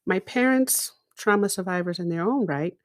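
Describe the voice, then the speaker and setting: A middle-aged woman from Israel, a native Hebrew speaker, giving a reflective personal monologue in a deliberate manner with dramatic pauses and rhetorical asides. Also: on the low side, no echo, clean studio sound. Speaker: podcast host and speaker.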